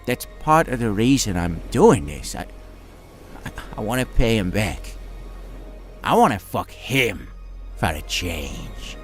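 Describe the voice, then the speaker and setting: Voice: mid-range voice, big pitch swings, slow pace, long pauses, faint music behind. A performer acting a cocky, wisecracking, streetwise male demon in a fan audio drama, with a theatrical, slangy manner. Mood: bitter, guarded.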